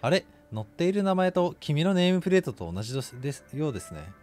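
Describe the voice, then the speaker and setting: A man's voice: fairly high pitch, sing-song, fast talker, a little mellow, faint music behind. A man voicing an overly polite, shady delivery man from a horror game, formal and explanatory. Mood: stiffly polite.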